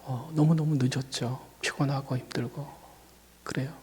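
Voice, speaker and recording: A man's voice: mid-range voice, steady tone, moderate pace, a little mellow. A male pastor tells a personal story in a sermon. He is fighting a cold, and he talks conversationally but rises to emphatic peaks on key points. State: fighting a cold and feeling dizzy. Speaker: senior pastor. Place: church sanctuary. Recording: long church reverb.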